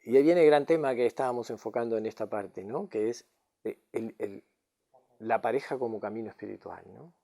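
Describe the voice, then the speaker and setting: Man, spiritual teacher, mid-range pitch, relaxed dark tone, reflective teaching talk. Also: a little fast, gravelly. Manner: tags lines with questioning "mm?" and "no?" to check understanding.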